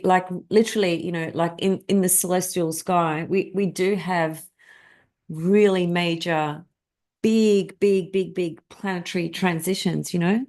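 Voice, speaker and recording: A woman whose first language is Greek hosts a live astrology stream alone, speaking straight to her viewers. Her voice sits on the low side with a gravelly, creaky texture. She rambles easily, restarting sentences and filling pauses as she goes. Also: a little mellow. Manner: rambling, many fillers and restarts. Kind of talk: casual live-stream talk to chat viewers.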